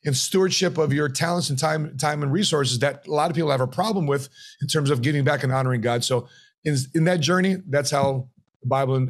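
A middle-aged man, a retirement planner, tells his story as an interview guest, animated and acting out quoted voices, in a home office on a podcast mic. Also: medium pitch. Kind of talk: interview conversation. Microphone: podcast mic on boom arm.

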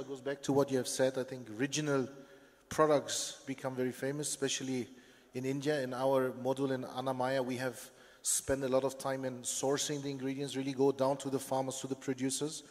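A man in his forties, an executive chef, speaking earnestly on a conference panel into a handheld mic. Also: mid-range voice. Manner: earnest, steady, flat delivery. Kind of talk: panel discussion on stage. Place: large conference stage. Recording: long hall reverb.

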